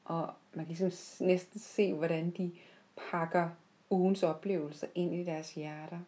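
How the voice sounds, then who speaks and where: Woman, slightly low pitch, warm dark tone, unscripted personal storytelling, reflective, heartfelt, pauses mid-sentence. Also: steady tone. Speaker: podcast host.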